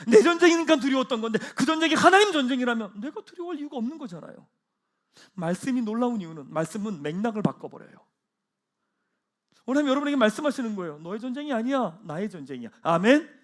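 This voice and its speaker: A man preaching a Sunday sermon as pastor, swinging between loud proclamations and hushed, low asides. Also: big pitch swings, fast. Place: church sanctuary.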